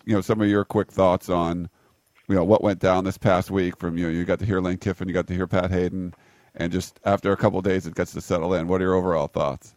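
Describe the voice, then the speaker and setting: A man hosting a sports talk show, quick and friendly, steering the chat. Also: deep voice, a little mellow, no room sound. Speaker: sports radio host. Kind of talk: casual radio chat.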